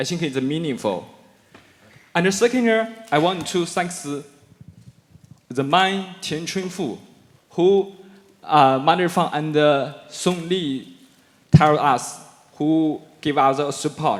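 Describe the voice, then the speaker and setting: A man with a Chinese accent speaks at a very slow pace in a fairly high pitch, with ordinary pitch variation, long, frequent pauses, audible room echo and noticeable background noise. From China, Henan province. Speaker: young leader. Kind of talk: short speech at conference. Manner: halting.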